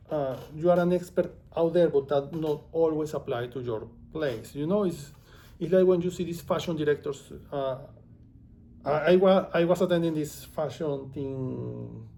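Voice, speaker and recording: Man, Venezuelan Spanish accent, native Spanish speaker, casual vlog chat, gravelly, mellow. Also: a little high. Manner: chatty, digressive, self-deprecating. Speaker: author and vlogger.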